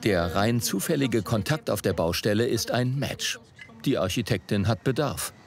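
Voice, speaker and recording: A man reading scripted voice-over narration for a TV report in a measured, even way. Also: fairly low pitch. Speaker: documentary narrator.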